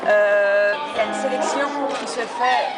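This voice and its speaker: A woman's voice: medium pitch, steady tone, normal speed, rough recording. A woman from Quebec with a Québécois French accent, a touring country singer being interviewed at a festival, talking with frequent hesitant restarts. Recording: loud country music and crowd behind.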